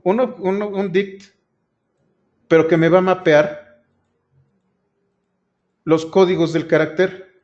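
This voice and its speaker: A man's voice: sits high, steady tone, takes it slowly, long pauses. A male programming instructor, explaining a coding lesson step by step and speaking directly to his students. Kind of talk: screen-recorded coding lesson. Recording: dull lo-fi sound.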